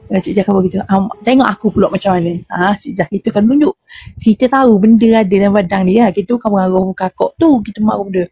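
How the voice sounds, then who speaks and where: A woman with a Terengganu Malay accent, a guest telling a true horror experience in casual, animated style and acting out sounds and quoted voices. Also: medium pitch, fast, breathy edge. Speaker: guest recounting a spirit healing.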